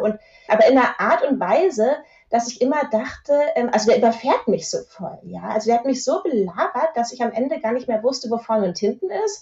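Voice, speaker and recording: Very fast and lively in intonation, a woman speaks with a high pitch. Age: 40s. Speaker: orthodontist and private investor. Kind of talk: interview about personal investing journey. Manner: animated, with frequent filler sounds.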